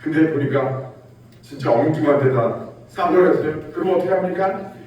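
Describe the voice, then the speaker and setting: A man's voice: fairly high pitch, normal speed, a little mellow, slight background noise. A male pastor giving a Sunday sermon in a church sanctuary, telling stories and acting out quotes with rising and falling emphasis. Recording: echoey church hall, distant mic.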